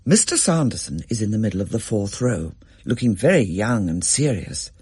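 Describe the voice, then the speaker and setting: Male narrator, husky voice, very lively intonation, dry close sound. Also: on the low side, no echo. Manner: gently storytelling, varied and expressive. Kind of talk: scripted narration, storybook reading.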